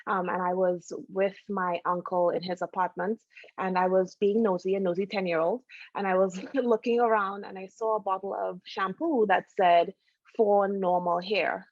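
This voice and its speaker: A woman's voice: mid-range voice, steady tone, normal speed, no echo, muffled recording. A middle-aged woman from Trinidad and Tobago, a doctor and founder, talking casually as a podcast guest with many "you know" fillers. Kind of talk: casual interview conversation.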